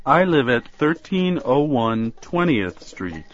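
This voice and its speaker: A man repeating lesson phrases with slow, careful enunciation. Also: mid-range voice, sing-song. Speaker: drill speaker in language lesson. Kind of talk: slow repetition drill. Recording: dull recording with faint music.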